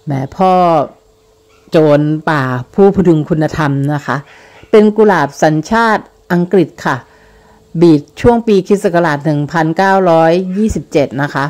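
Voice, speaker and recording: Low-voiced woman chatting about roses. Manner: chatty, polite, ends phrases with soft particles. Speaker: gardening channel host. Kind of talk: informal narrated rose guide.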